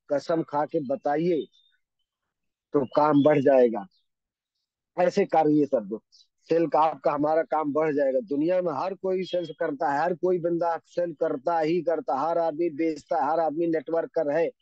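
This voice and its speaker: A man delivers a motivational seminar speech with a fairly high, mellow voice. He hammers the same phrases again and again, tucking in couplets along the way. The sound is dry and a little muffled, like a lo-fi recording. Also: dry recording. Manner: emphatic, repeats key phrases again and again; says he talks fast. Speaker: motivational speaker at a direct-selling seminar.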